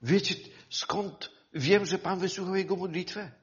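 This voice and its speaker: A man preaching a sermon, swinging between loud fervent passages and hushed quiet ones, often calling his listeners dear ones. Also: sits high, unhurried. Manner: addresses listeners as "kochani". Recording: dull lo-fi sound.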